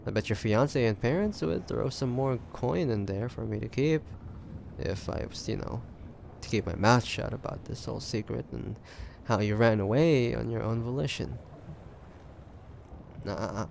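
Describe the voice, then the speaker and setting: Guy acting as smug pirate captain, gravelly and unhurried, sly taunting roleplay talk, bit of background noise. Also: mid-range voice, animated, darkish tone. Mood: calculating persuasion. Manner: taunting, deliberate, conspiratorial, with dry chuckles. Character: ambitious, shrewd, smug male pirate captain. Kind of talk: roleplay audio drama monologue addressed to listener.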